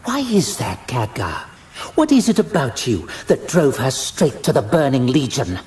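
A man's voice: medium pitch, sing-song, measured pace, a little mellow, recorded from a distance. A man voicing a stern, accusing female warden in a fantasy audio drama, cold, clipped and formal.

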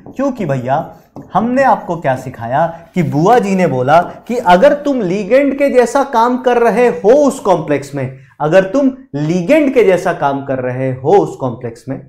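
A man teaching chemistry in a live online lecture, animated, quizzing his students and mixing in English terms. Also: medium pitch, roomy sound. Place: studio classroom.

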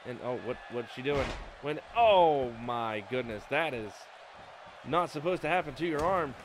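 A man giving excited play-by-play commentary over a wrestling video game, breaking into exclamations as the moves land. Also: mid-range voice, moderate pace. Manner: excited exclamations, rising with the action. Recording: noisy game audio behind.

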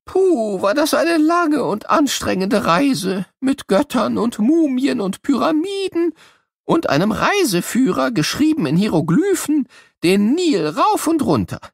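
A man voicing an excitable, quirky old cartoon professor in a children's audio play, exclaiming playfully and drawing out words. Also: very high voice, vocal fry, dry recording, clean studio sound, heavily acted. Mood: weary, playful. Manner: playful, exclaiming, drawn-out words, invents silly words.

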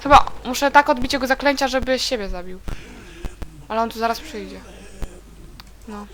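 A chatty woman talks over her gameplay in a bright, crisp voice pitched a little high. She giggles easily and keeps up a loose, running commentary, with sudden shrill shrieks when the game turns against her. A faint hiss sits under the recording. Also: rough recording. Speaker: let's play gamer.

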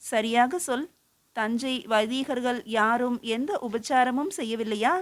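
A woman voicing an elderly male sage who questions gently but turns firm when he commands. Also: on the high side, unhurried, lightly acted. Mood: probing.

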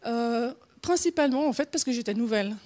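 Brisk and slightly high, with lively intonation and a darkish tone, this woman in her forties speaks with a Genevan Swiss French accent. Her informal conference presentation is hesitant, peppered with fillers, restarts and frequent little laughs.

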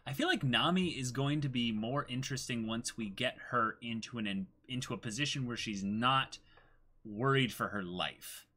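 A man's voice: medium pitch, normal speed, bright, forceful tone. A man in his twenties chatting casually as co-host of a livestream. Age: 20s. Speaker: streamer and co-host. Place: small room, indoors.

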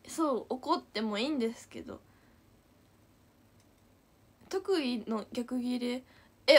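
A young woman in her twenties with a Kansai accent, telling a story to viewers in an animated, giggly way. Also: high-pitched. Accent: Kansai Japanese. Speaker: idol livestreamer.

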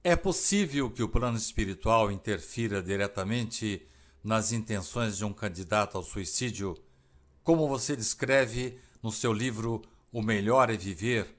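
A man with a Brazilian Portuguese accent, an interviewer reading prepared questions in a formal, deliberate way. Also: lowish voice.

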